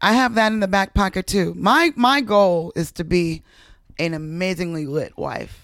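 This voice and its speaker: A woman with an unremarkable speaking voice, medium pitch, lively intonation and a moderate pace. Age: 30s. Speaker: digital media strategist. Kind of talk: casual chat. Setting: lounge couch.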